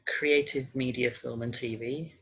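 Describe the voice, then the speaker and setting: A young British man answering interview questions casually, in a hesitant, halting way with repeated starts. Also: mid-range voice, fairly even intonation, slightly rough, highs cut off. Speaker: interview guest.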